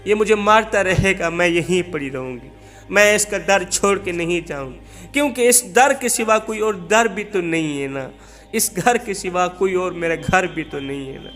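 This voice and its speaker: A man's voice: high-pitched, fairly bright tone, soft background music. A man voicing a mistreated wife who pleads in a tearful lament of repeated lines. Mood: pleading.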